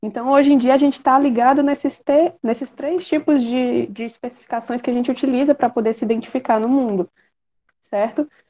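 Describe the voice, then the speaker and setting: At a fairly quick pace, a woman with a high pitch and ordinary pitch variation speaks in a dark, mellow tone. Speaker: university student presenting a text. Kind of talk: class presentation. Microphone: connection briefly cut out.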